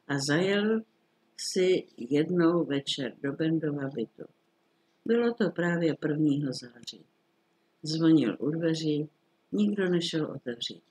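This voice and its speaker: A man narrating a classic short story in a husky voice, set a little higher than most men's. His delivery is measured and expressive, with an even storytelling pace. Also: low-quality recording. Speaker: audiobook reader. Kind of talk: literary storytelling.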